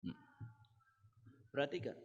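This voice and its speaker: A man preaching a church sermon with an Indonesian accent, piling up rhetorical questions and swinging from loud to hushed. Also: unhurried, muffled recording. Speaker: pastor. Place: church hall. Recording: church service with hall reverb.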